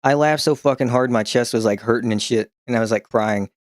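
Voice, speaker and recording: A man chatting on a stream, spilling rambling, profane stories full of restarts and little laughs, with a slight New York twang that creeps in as he gets worked up. His voice sits at an ordinary middle pitch. He is recorded on a close, dry mic with no room sound. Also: fairly quick, dry recording. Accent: slight New York-style twang when excited. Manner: chuckles while telling stories. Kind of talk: casual stream chat.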